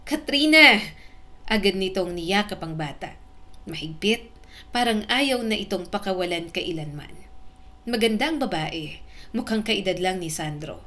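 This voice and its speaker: Brief: female narrator for a heartfelt drama, slow and emotional. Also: mid-range voice. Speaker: storyteller.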